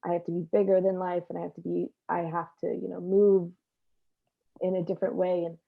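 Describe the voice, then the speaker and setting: A woman's voice: on the low side, flat delivery, a little fast, vocal fry. A young adult woman talking casually and reflectively as an interview guest, over tinny call audio. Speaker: actor, panel guest.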